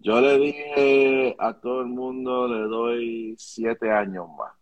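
Halting Caribbean man in casual Spanglish. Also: mid-range voice, steady tone, lo-fi sound. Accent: Caribbean Spanish. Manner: Spanglish, Spanish mixed with English phrases. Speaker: interview guest, music video director. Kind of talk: casual conversational interview.

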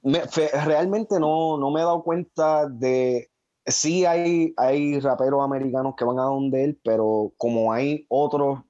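A man's voice: mid-range voice, steady tone, a little slow, warm tone, highs cut off. A man as co-host in a casual chat, making wry, joking asides.

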